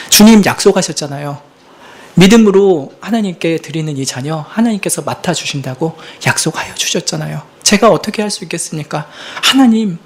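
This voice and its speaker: A pastor in his thirties preaches a sermon in an earnest, confessional way, shifting between hushed and emphatic delivery. His voice is on the high side, with slight background noise.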